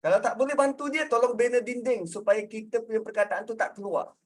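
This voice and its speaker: The speaker is a religious teacher with a Malaysian Malay accent who talks fast in a high, steady voice. His lecture is conversational. He clarifies the meanings of words with ordinary, everyday illustrations.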